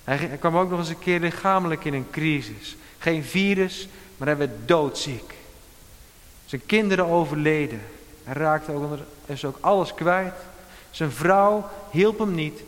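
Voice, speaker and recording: Emphatic male preacher in an echoey hall. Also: a little high. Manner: emphatic, with dramatic pauses and quoted lines. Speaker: pastor. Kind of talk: sermon.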